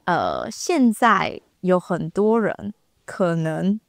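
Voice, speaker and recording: A woman from Taiwan talks casually as a podcast guest. Her pitch swings widely, leaping up when she quotes people. The recording is dry and close, with no room sound. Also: extremely slow, vocal fry, no room sound. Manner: expressive, swoops up when quoting. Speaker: Chinese teacher, podcast guest. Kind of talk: casual chat.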